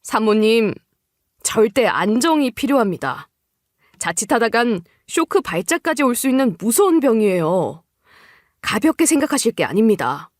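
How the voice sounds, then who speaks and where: A woman playing a stern doctor who explains gravely and firmly in an audio story. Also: fairly high pitch, sing-song, no echo, clean studio sound. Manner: measured, firm explaining.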